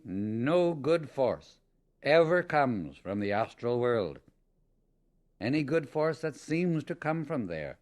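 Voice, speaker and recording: A mid-pitched man narrates a scripted spiritual teaching, audiobook-style. His pace is deliberate and his tone solemn, with strong stress on key words.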